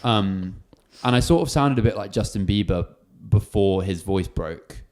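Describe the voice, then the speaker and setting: A man's voice: lowish voice, lively intonation, darkish tone. A man in his twenties, chatting casually and jokily as the channel host. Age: 20s. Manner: chatty, joking, fast. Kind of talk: casual Q&A chat.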